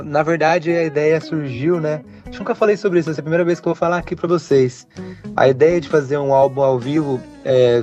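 A young man, a guitarist talking in a relaxed, rambling way as an interview guest. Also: on the high side, highs cut off. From Brazil. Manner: relaxed, rambling, many fillers like "né". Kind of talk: casual interview chat.

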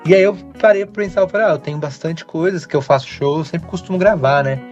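A man's voice: on the high side, fast, muffled recording, soft background music. Man chatting loosely in an interview. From Brazil. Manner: relaxed, rambling, many fillers like "né". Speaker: guitarist and composer, interview guest. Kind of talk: casual interview chat.

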